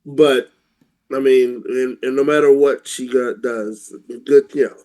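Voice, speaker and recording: A man's voice: medium pitch, fairly even intonation, measured pace, darkish tone. A man co-hosting a casual talk show, giving informal opinions and rephrasing as he goes.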